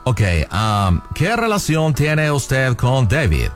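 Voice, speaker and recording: A man playing an American police officer who speaks halting, broken Spanish with English fillers. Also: medium pitch, huge pitch swings, soft background music. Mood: officious.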